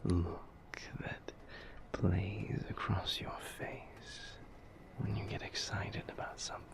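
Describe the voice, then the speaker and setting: A man voicing a tender, seductive vampire lover in an intimate romantic audio roleplay, whispering in a breathy, gravelly voice with slow, lingering phrases. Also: deep voice, level tone, full character voice. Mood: sensual, adoring. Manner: slow, lingering, sensual delivery.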